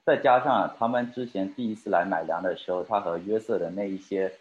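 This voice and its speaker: A man's voice: deep voice, brisk. A man preaching a sermon and talking straight to his congregation, asking them questions and drawing them in. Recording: roomy, dull lo-fi recording.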